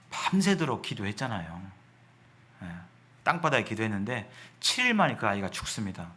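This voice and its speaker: Male preacher with a bright, forceful voice at a mid pitch. He poses questions to the listeners and answers them himself. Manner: reads scripture slowly. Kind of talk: sermon.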